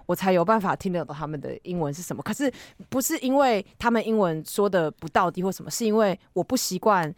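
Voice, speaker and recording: A woman's voice: on the low side, quick pace, few pauses, no echo. A woman co-hosting a podcast in casual, teasing chat. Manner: expressive, laughs a lot, teasing. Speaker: podcast co-host.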